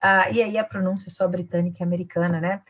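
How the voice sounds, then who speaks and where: A woman's voice: lowish voice, steady tone, fast talker. A woman with a Brazilian Portuguese accent, giving a casual English lesson as a teacher and career coach, chatting easily and slipping into English phrases with frequent tag questions.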